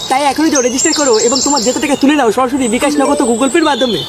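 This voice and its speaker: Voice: high voice, fairly even intonation, racing, very noisy. An announcer giving a scripted, emphatic promotional read. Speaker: advertisement announcer.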